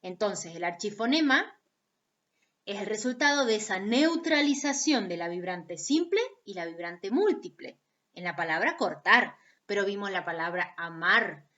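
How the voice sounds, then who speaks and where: A woman teaching a recorded lesson on phonetics, explaining slowly, repeating key points and checking in with her students. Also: mid-range voice, animated, sharp tone, highs cut off.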